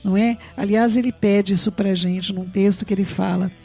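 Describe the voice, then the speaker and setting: A Brazilian woman with a Brazilian Portuguese accent preaching a sermon, earnest and warm toward her listeners, often checking in with rhetorical questions. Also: mid-range voice, steady tone, normal speed, vocal fry, faint music behind. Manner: earnest, tags phrases with rhetorical questions, addresses listeners fondly.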